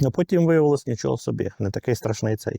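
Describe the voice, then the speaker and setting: A man with a dark, mellow tone speaks at a fairly quick pace. The sound is dry and close with no echo, against a quiet background. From Ukraine, Cherkasy region (Smila). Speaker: soldier, former city council secretary. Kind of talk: interview.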